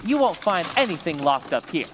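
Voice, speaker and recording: Man playing a brash young tough, high-pitched. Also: big pitch swings, normal speed, background noise. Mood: brash, defiant. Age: young adult. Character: defiant young male suspect, brash slangy tough talker. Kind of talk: old-time radio drama acting.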